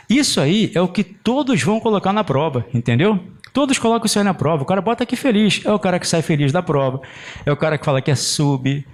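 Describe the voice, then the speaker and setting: A man with a Brazilian Portuguese accent giving a chatty, joking exam-prep lesson on Portuguese grammar. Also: on the high side. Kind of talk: lively classroom lecture.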